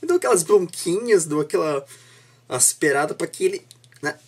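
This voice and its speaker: A young man with a Brazilian accent and a slightly husky voice, chatting reflectively as an interviewer, repeating and rephrasing himself earnestly. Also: on the high side, expressive, normal speed. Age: young adult. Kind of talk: casual reflective interview chat. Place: small home room indoors, seated on a sofa.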